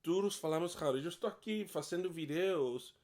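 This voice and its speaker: Encouraging man, slightly high voice. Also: normal speed, a little mellow. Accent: English speaker learning Portuguese. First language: English. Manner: switches between English and Portuguese, repeats each point in both; encouraging, direct. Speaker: language teacher. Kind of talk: casual bilingual lesson.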